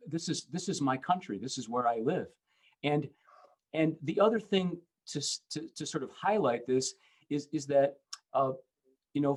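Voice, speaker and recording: Halting middle-aged man, full of fillers. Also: medium pitch, poor audio. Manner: halting, many fillers and restarts. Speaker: bishop. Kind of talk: panel talk.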